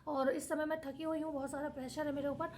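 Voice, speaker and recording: Young woman, high voice, hoarse and tired; walks viewers through an official notice point by point; faint hiss. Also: level tone, quick pace, a little mellow. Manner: reads notice then explains in plain words. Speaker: education channel host.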